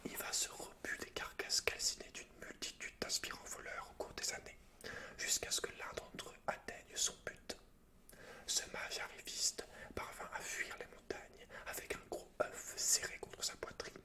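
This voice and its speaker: A man hosts an ASMR gaming video entirely in a whisper. His delivery is breathy and unvoiced, with a soft, informal intimacy, as if addressing one listener directly. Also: normal speed. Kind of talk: whispered ASMR, chatting and reading game lore aloud.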